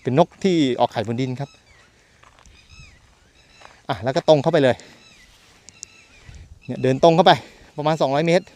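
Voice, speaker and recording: A man's voice: on the high side, moderate pace, long pauses, mellow. A man selling land, walking outdoors through open rural fields and chatting loosely to a handheld camera as he keeps pointing things out. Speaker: land seller and property reviewer. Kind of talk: casual walking tour to camera. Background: birds and open countryside.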